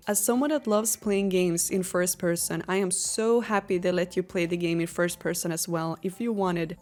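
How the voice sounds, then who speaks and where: Young woman, native Swedish speaker, scripted game review, earnest and upbeat, mid pitch. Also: a little mellow. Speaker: gaming YouTuber.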